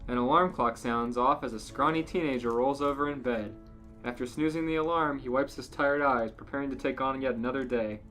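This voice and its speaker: Male podcast narrator, mid-pitched, reading comic fan fiction with music underneath. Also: steady tone, brisk, a bit bright. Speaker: podcast co-host reading a story.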